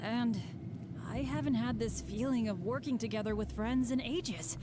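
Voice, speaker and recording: A woman's voice: on the high side, moderate pace, music in the background, lightly acted. A woman voicing an earnest, good-hearted, unlucky teenage boy adventurer in a video game. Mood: earnest, friendly. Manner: boyish, earnest. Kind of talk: video game character voice acting.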